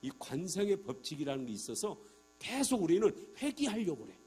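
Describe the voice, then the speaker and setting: A man's voice: fairly high pitch, fairly quick, husky, soft background music. A middle-aged man, a church elder, giving an evangelistic testimony sermon to a congregation, acting out conversations and asking the listeners rhetorical questions. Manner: animated, acts out dialogues in quoted voices. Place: church sanctuary.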